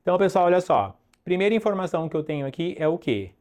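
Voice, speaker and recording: A man teaching an online English lesson, drilling pronunciation slowly and checking in with "ok?" often. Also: high-pitched, sing-song, a little mellow.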